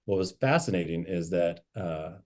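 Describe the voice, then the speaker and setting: A man's voice: sits low, animated, moderate pace, a little mellow. A man, a bishop, reflectively telling anecdotes from his life in a conversational interview. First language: English. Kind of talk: interview storytelling.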